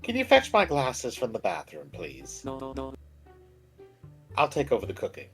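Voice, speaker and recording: A man's voice: medium pitch, huge pitch swings, measured pace, faint music behind. A man voicing a polite, baffled young housemate in a visual novel game, curt and hesitant.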